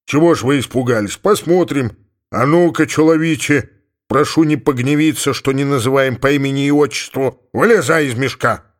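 A gruff middle-aged Cossack father, as a male audiobook reader plays him, grumbling and exclaiming in a mid-range voice. He sounds stubborn and suspicious, forever muttering to himself. The storybook reading keeps him close to the reader's own voice. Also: mid-range voice, normal speed, natural voice.

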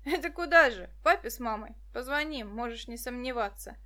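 A woman's voice: on the high side, lively intonation, a little fast, sharp tone. A woman reading an audiobook, voicing a bossy male police officer who mocks the children. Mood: mocking. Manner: mocking, bossy.

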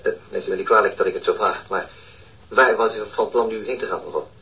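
An actor playing a polite, cautious police detective in a crime radio drama, questioning formally with apologetic hesitations. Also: male voice, fairly low pitch, steady tone, fast talker, bright, forceful tone, low-quality recording. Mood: careful, polite. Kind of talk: audio crime drama acting.

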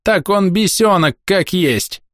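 A man voicing a loud, quarrelsome village woman who screeches her lines in a high, shrill voice. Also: expressive, slow pace, dry recording, studio quality. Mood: spiteful.

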